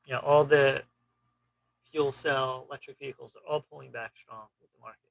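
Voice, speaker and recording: A man's voice: medium pitch, fairly even intonation, fairly quick, creaky, fairly bright tone, low-quality recording. A man hosting a stock trading channel, walking through charts in casual, clipped phrases and often saying "you know".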